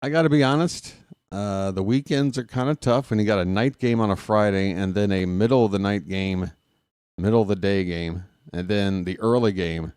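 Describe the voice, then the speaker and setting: A man's voice: fairly low pitch, moderate pace, clear, resonant tone, dry recording, studio quality. A man hosting a live baseball stream, talking casually with lots of fillers while congested from sinus trouble. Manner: chatty, relaxed, many "uh" fillers. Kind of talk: casual pregame commentary.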